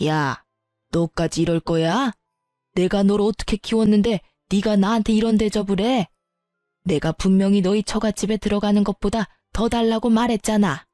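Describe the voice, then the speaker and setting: A woman voicing a greedy, demanding older mother-in-law who scolds harshly, with a lowered voice. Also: steady tone, normal speed, mellow, dry recording, faint music behind, natural voice. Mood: angry.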